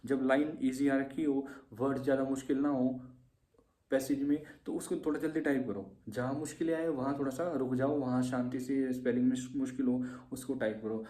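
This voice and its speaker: This shorthand exam coach keeps it informal and repetitive, with "theek hai" popping up again and again in his tips lesson. His voice is mid-range and mellow with a flat delivery, a little fast, and the sound is reverberant.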